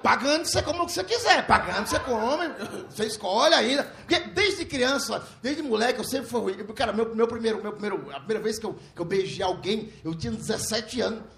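A middle-aged man telling a profane stand-up comedy story on a live stage, laughing through his lines and shouting when he acts out the people in it. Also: very high-pitched, fairly quick, gravelly, hardly any pauses. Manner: loud, laughing, animated, profane, slips into shouted voices for characters.

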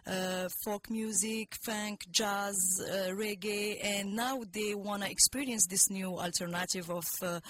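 A woman's voice: medium pitch, steady tone, a little slow, hardly any pauses, noisy background. A woman from Morocco whose first language is Arabic, talking hesitantly with many fillers as a singer guest in a radio studio interview.

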